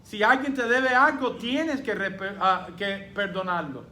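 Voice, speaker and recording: A man's voice: high-pitched, a little slow, bright, forceful tone. A man preaching a sermon as pastor, emphatic, with rhetorical questions and quoted voices of his congregation.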